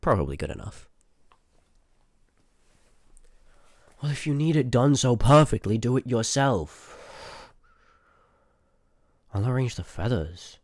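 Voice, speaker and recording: A man's voice: mid-range voice, vocal fry, a little mellow, no room sound. A man playing a rude, sardonic, curious sorcerer in a fantasy ASMR audio roleplay, with dry banter spoken straight to the listener. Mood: irritated, sarcastic. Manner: sarcastic, dry banter with muttered asides.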